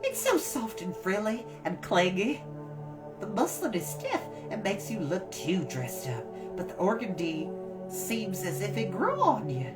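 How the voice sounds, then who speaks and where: A woman voicing a bossy, admiring teenage girl in a storybook, brisk and chatty as she fusses. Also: medium pitch, big pitch swings, pitched above the performer's own voice. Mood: admiring, insistent. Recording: distant mic with music behind.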